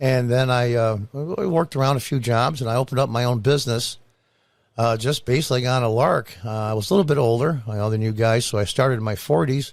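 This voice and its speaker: The man's pitch moves in an ordinary way. He talks very fast. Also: medium pitch for a man. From upstate New York (Binghamton). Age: 60s. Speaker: YouTube commentator, former local politician. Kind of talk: interview.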